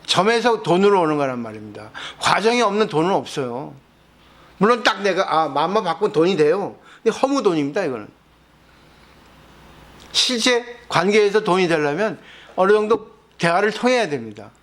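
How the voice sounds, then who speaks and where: A man's voice: sits high, big pitch swings, normal speed, a bit bright. A man, a Buddhist monk, lecturing on scripture, explaining with everyday examples and asking his listeners rhetorical questions. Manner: asks the audience rhetorical questions.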